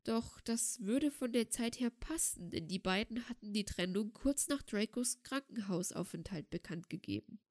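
A woman reading a fan fiction audiobook in a calm, steady narrating voice. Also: on the high side, normal speed, few pauses, no room sound, studio quality. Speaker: audiobook reader.

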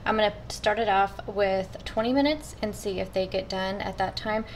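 A cooking vlogger with an ordinary middle-pitched voice explains her meal prep step by step at a moderate pace, chatting in a relaxed, friendly way and addressing viewers as "you guys." The home kitchen recording has poor audio with a steady background noise underneath.

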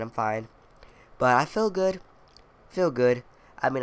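A young man records gameplay commentary while clearly congested and coughing now and then. He rambles through his week in a loose, filler-heavy way, throwing in playful brags. Under the stuffiness his mid-pitched voice stays smooth. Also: fairly bright tone. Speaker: gaming video creator. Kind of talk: casual commentary over gameplay.

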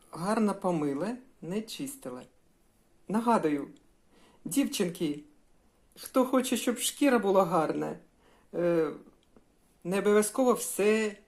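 A woman's voice: on the low side, darkish tone. An older woman chatting in a homely way while she cooks breakfast, addressing her viewers as girls. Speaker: cooking vlogger. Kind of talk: casual cooking vlog.

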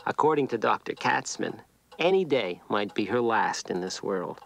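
A man's voice: lowish voice, expressive, normal speed, creaky, fairly bright tone. A man narrating a scripted first-person story about his childhood.

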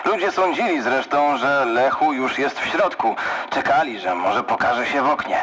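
A man's voice: medium pitch, lively intonation, normal speed, a bit bright. A man playing quoted historical witnesses and speakers with vivid, declamatory delivery in an audio documentary. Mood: lively reporting. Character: male eyewitness reading journalist's account and political speech. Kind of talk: dramatised quotations in children's audio documentary.

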